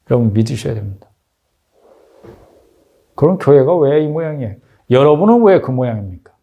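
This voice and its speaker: Korean pastor guy preaching, kinda high voice, gravelly, keeps asking the congregation questions. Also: warm tone. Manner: exhorting, rhetorical questions to the congregation. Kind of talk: sermon.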